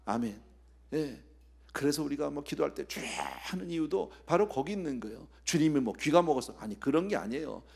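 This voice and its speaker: A man's voice: a little high, expressive, brisk, creaky, darkish tone, breathy edge. A male pastor preaching an expository sermon at a midweek prayer service. He acts out scenes, drops to whispers and puts rhetorical questions straight to the congregation.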